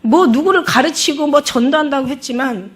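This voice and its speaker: A woman's voice: high-pitched, moderate pace. A middle-aged woman pastor giving an emotional testimony sermon, fervent and repeating her words as she speaks.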